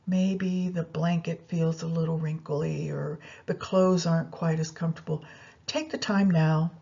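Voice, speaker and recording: A woman leading a guided yoga nidra meditation, giving unhurried instructions directly to the listener. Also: lowish voice, warm tone, lo-fi sound.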